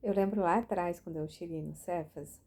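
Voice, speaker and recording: Woman in her twenties or thirties, casual reading-vlog chat, husky and mellow. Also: on the low side, normal speed. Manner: chatty and anecdotal, with many fillers and restarts. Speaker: book reading vlogger. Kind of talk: casual spoken reflection.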